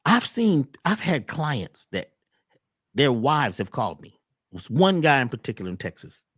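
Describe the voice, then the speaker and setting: A man talking as a wellness coach on a talk show, emphatic and repetitive, often jumping high on key words. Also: very animated, normal speed, a bit bright, breathy edge, no room sound, studio quality. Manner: emphatic, repeats phrases, swoops up on key words. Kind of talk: animated talk-show conversation.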